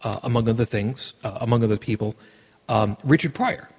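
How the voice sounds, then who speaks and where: A man's voice: medium pitch, a little fast, creaky, a little mellow, breathy edge, big-room sound. A man hosting a podcast, rambling through his points with dry joking asides. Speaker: podcast host. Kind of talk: casual podcast conversation.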